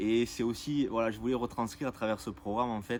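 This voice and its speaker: This man has an ordinary speaking voice, medium in pitch, moving at a moderate pace with fairly even intonation. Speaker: former professional rugby player and fitness coach. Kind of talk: interview answer.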